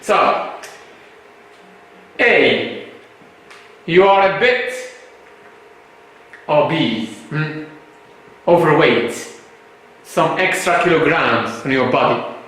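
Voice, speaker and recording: A male English teacher from Morocco, a native Arabic speaker, slowly explaining vocabulary to a class, often checking with "right?" and "hmm?". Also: high voice, sharp tone. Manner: slow, repetitive explaining with tag questions. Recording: very echoey room.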